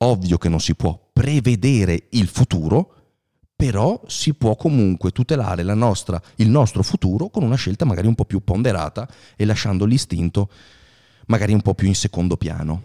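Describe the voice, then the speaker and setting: The speech moves at a moderate pace, broken by long, frequent pauses. Intonation is lively, and the sound is dry and close with no echo. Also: man. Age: 30s. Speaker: podcast host. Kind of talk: casual chat.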